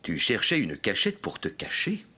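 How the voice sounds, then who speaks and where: A man's voice: lowish voice, huge pitch swings, normal speed, bright, forceful tone, slightly rough, full character voice. A man voicing a kindly, playful old grandfather in a children's cartoon, speaking expressively as if to a small child. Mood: gentle, conspiratorial.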